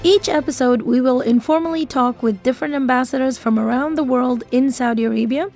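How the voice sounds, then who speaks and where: A woman hosting a radio interview, asking polite, measured questions. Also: high-pitched, a little mellow, soft background music. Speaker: radio host.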